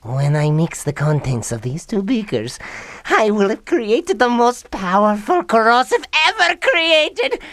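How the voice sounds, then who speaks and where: A woman's voice: mid-range voice, very animated, unhurried, a bit bright, dry recording. A woman playing a petulant, grandiose young mad scientist in a comic radio drama, melodramatic and sulky. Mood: menacing, grandiose.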